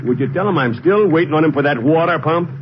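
An actor playing a folksy, plain-spoken middle-aged gas station owner in a 1950s western radio drama. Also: male voice, a little high, expressive, fast, close to an everyday voice. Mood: friendly, curious. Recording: muffled, noisy 1950s radio recording.

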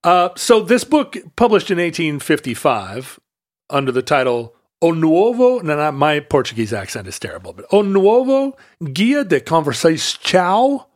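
A man co-hosting a podcast in casual conversation, talking haltingly with many restarts and fillers. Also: fairly high pitch, sing-song, no echo, studio quality. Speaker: podcast co-host.

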